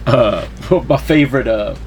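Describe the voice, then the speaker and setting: A man co-hosting a podcast, trading easygoing jokes in casual chat. His voice is mid-pitched and relaxed. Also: a little slow, a little hiss or hum. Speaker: podcast co-host.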